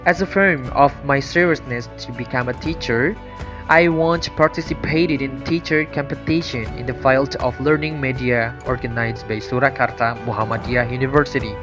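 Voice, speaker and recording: A young man reads his own profile in a measured, formal way. His voice sits at an ordinary middle pitch, and soft guitar music runs quietly underneath. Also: fairly even intonation. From Bandung, Indonesia. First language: Indonesian and Sundanese. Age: young adult. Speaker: university student. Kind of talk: scripted profile narration.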